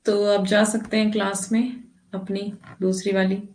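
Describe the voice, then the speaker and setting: A woman's voice: mid-range voice, level tone, unhurried, darkish tone, roomy sound. A woman teacher talking to her students in an online class, giving firm, instructive advice and addressing them fondly.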